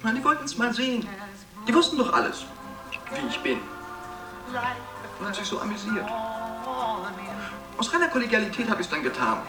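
A man's voice: high-pitched, sing-song, normal speed, pauses often, far from the mic. A man acting a flamboyant, self-pitying, broke gay man in a radio play, agitated and plaintive. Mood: wounded, recounting. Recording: echoey room, off the mic, music behind.

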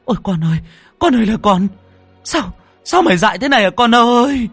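A man voicing a grief-stricken young mother, wailing loudly in a high voice. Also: animated, a little fast, creaky, breathy edge, no room sound, faint music behind, heavily acted.

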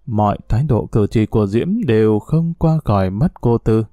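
Dark-voiced man reading a story. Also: on the low side, lively intonation, moderate pace, no echo, studio quality. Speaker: narrator. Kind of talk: scripted story narration.

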